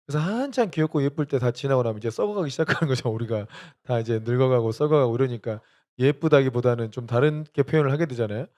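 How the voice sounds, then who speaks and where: A man teaching as a pastor, animated, asking many questions and laughing as he tells stories. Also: medium pitch, fast talker. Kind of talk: discipleship teaching.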